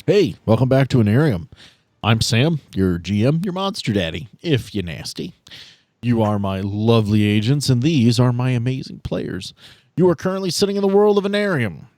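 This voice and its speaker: A man's voice: mid-range voice, very animated, moderate pace, a little mellow, no room sound, studio quality. A man hosting a tabletop game podcast as game master, chatting casually.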